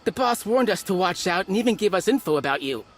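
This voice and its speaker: An actor playing a shady, surly black-market dealer in a video game, curt and expressive. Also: male voice, high-pitched, fast. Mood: rattled, frank.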